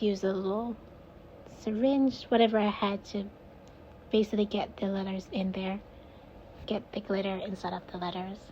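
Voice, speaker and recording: A woman's voice: mid-range voice, dark tone, highs cut off, slight background noise. A woman with a Jamaican accent casually narrating her own craft video, rambling and laughing at herself. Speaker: resin crafter, video host.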